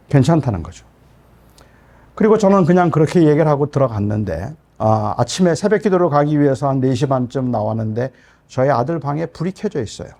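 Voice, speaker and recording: Gravelly-voiced man preaching a sermon. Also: mid-range voice. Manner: emotional storytelling, rising to loud outbursts. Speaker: pastor. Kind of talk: sermon with personal story.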